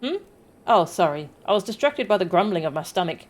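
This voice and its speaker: A woman's voice: on the low side, animated, a little fast. Woman playing a friendly tribal villager, game dialogue, chatty, apologetic, reassuring, music behind. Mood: sheepish, friendly. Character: hungry, friendly tribal villager asking for hunting help. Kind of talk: voiced reading of video game dialogue.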